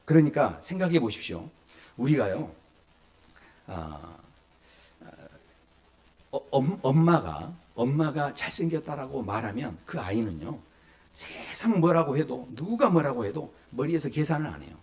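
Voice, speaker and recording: A man's voice: mid-range voice, measured pace. A man in his forties preaching a sermon as pastor, telling stories, acting out small voices and asking the congregation questions. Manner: lively storytelling, acts out children and adults in little voices.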